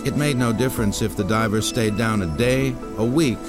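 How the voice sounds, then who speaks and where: A man's voice: lowish voice, normal speed. A man with an American accent reading scripted documentary narration as the narrator. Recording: music bed under narration.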